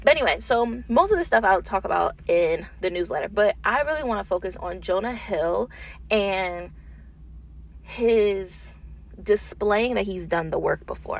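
A woman's voice: mid-range voice, vocal fry. A woman talking casually and informally in an unedited solo podcast, thinking aloud as the host, recorded in a small office booth.

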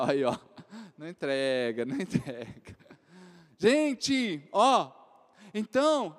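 A man in his forties with a Brazilian accent preaching a sermon, swinging from loud exclamations to soft joking asides. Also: very high voice. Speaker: pastor. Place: church hall. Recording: reverberant church hall.

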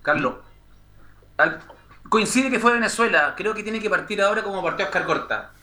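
Male panelist, heated and complaining, very sharp high voice, roomy faint-noise sound. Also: expressive, moderate pace. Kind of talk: sports talk debate.

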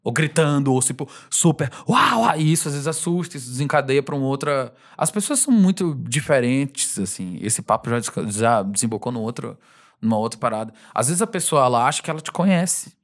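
A male singer being interviewed, talking in a relaxed, rambling way, laughing often and acting out fans' voices. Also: medium pitch, fairly quick. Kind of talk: casual interview conversation.

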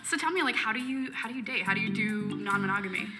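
A woman's voice: mid-range voice, fast. A woman on a speed date, friendly and full of compliments. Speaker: speed dating participant. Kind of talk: casual conversation. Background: music.

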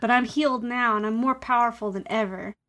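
A woman with a notably high voice co-hosts a casual podcast chat. She tells stories with playful, over-the-top drama. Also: a little fast, a bit bright. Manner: playful, dramatic comic storytelling. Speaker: podcast co-host.

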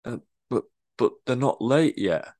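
A man's voice: mid-range voice, expressive, unhurried, darkish tone. A man playing an awkward, evasive young staff member who hesitates and stumbles over fillers.

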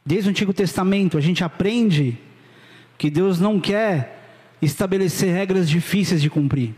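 A middle-aged pastor with a Brazilian Portuguese accent preaches to his congregation in a church hall, the sound big and roomy. His voice is high-pitched and darkish at normal speed, and he's urgent and direct, mixing in casual slang.

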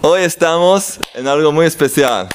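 A man teaching a religious lesson, mixing jokes into an animated talk and lifting his voice when acting out prayers. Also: normal speed, a crowd in the background. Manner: animated, swoops in pitch when quoting prayers. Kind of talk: lively faith lesson with jokes.

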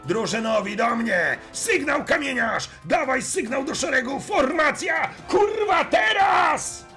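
A man's voice: extremely high pitch, expressive, slow pace, vocal fry, pushed and bright, shouting, soft background music, pitched above the performer's own voice, full character voice. A man voicing a fierce young male squad commander who bellows orders and swears coarsely. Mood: shouting.

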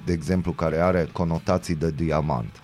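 A man's voice: very deep voice, steady tone, darkish tone, soft background music. A man chatting casually on a podcast, telling rambling stories with ironic asides. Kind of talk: casual chat.

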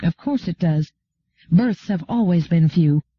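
A man voicing a stern, proud woman aristocrat who speaks in a clipped, sharp way. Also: on the high side, measured pace, breathy edge, no echo. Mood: cool. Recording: dull lo-fi recording.

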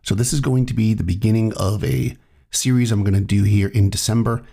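A man hosting his own podcast, talking in a relaxed, reflective way while he has a cold. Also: fairly low pitch, brisk, husky. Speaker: podcast host. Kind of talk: solo podcast monologue.

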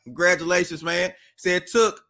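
A man's voice: sits high, normal speed, sharp tone, faint music behind. A man co-hosting a casual talk show, reading out viewer comments and prodding them for answers. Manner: conversational, reads out comments and pushes for answers. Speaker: podcast co-host.

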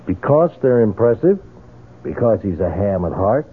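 An actor playing a determined, vengeful man in a radio drama, insistent and persuasive, with a husky voice. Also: fairly low pitch, big pitch swings, normal speed. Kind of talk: 1970s radio drama acting. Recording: narrow, phone-like old radio sound.

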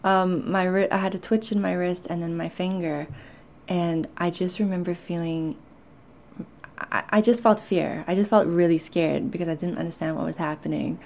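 A woman speaks in a low-pitched, mellow voice with plenty of fry in it. Her accent blends South African and Canadian. She talks like a podcast host confiding in listeners, candid and conversational, often pausing to find her words. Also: steady tone, a little hiss or hum. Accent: mixed South African and Canadian. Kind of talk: personal confessional talk to listeners.

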